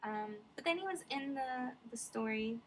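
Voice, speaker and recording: A woman's voice: high-pitched, lively intonation, moderate pace, a little hiss or hum, low-quality recording. A woman vlogger musing in casual, rambling reflective commentary, digressing often with many fillers.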